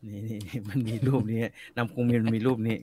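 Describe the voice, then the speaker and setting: A man in casual chat, talking bluntly and crudely with quick joking retorts. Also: on the low side, steady tone, mellow.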